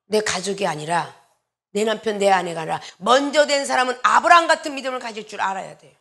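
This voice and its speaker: A woman pastor delivers a sermon with a somewhat high, gravelly voice. She preaches with strong emphasis and often acts out short bits of dialogue, sometimes rising to a shout.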